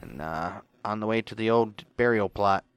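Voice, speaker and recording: A man's voice: lowish voice, moderate pace, clear, resonant tone, no room sound, highs cut off. A man co-hosting a casual recap chat, talking loosely and profanely as he retells scenes. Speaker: podcast co-host.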